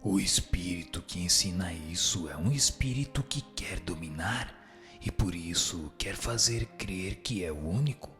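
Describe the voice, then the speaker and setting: A man playing a grave, admonishing spirit teacher in a scripted audio drama, speaking in a solemn, measured, didactic way. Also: low voice, bright, forceful tone, heavily acted.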